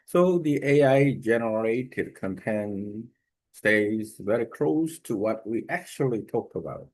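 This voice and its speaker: Man, Korean accent, native Korean speaker, fairly low voice, reading a prepared text aloud, careful and halting, filler pauses. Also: animated, a little mellow, poor audio. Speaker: language learner sharing a study method.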